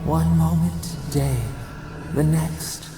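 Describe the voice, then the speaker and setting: An actress playing an eerily serene, poetic figure in a fantasy video game, dreamy, lyrical and creaky. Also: female voice, deep voice, level tone, drawn-out words, echoey room, over music, exaggerated voice. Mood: soothing, eerie.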